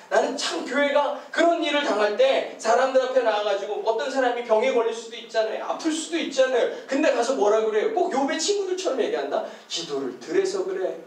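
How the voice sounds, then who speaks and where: A male pastor preaching an animated sermon in a church hall, asking the congregation questions and answering them himself. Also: extremely high pitch, far from the mic.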